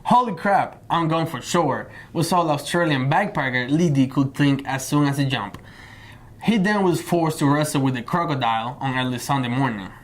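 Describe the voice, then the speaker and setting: A young man born in Cuba, co-hosting a student news show in a joking, relaxed chat and reading news items aloud. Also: medium pitch, moderate pace. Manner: relaxed, joking, repeats himself.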